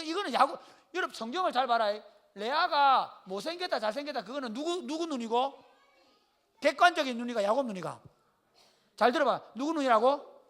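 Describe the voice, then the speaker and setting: Man, pastor, Gyeongsang accent, bright voice, sermon, folksy joking delivery. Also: very high-pitched. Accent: Gyeongsang Korean. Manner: lively storytelling, calls on listeners by name; colloquial, jokes with the congregation.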